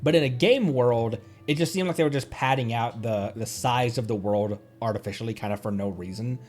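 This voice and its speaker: A man streams with casual, chatty commentary in a medium-pitched voice. He talks hesitantly, working out his thoughts as he goes. Soft music plays in the background. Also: brisk. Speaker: streamer, VTuber host.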